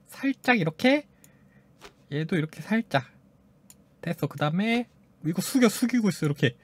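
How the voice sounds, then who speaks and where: A woman's voice: lowish voice, animated, moderate pace, slightly rough. A woman casually commenting on a mobile game she is playing, cheering the robot on and voicing sound effects as she goes. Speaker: gaming YouTuber.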